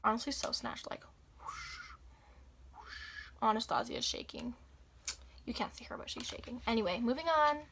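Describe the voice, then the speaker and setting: A young woman with a raspy, slightly hoarse voice after the flu, chatting casually through a makeup tutorial. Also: on the high side, lively intonation, moderate pace, pauses often, a bit bright, a little hiss or hum. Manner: chatty, upbeat, filler-heavy. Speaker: beauty vlogger.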